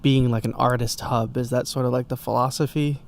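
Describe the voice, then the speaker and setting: A man's voice: mid-range voice, fairly even intonation, a little fast, vocal fry, a little hiss or hum. A man interviewing his guests on a podcast, asking curious, friendly questions. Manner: curious questions with light laughs. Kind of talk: casual interview.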